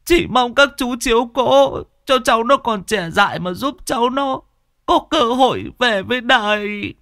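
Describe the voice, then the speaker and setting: A man's voice: extremely high pitch, animated, measured pace, sharp tone, no room sound, studio quality, pitched above the performer's own voice, full character voice. A man voicing a frail old woman who anxiously begs police for help in a quavering voice. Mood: anxious pleading. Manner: quavering, imploring. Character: frail old mother, fearful and imploring.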